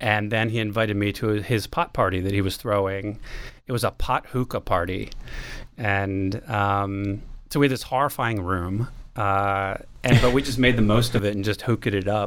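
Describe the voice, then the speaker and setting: A plain, everyday voice with an American accent and fairly even intonation. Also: man, fairly low pitch for a man, moderate pace. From Baltimore, US. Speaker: tech entrepreneur and startup CEO. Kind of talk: casual interview.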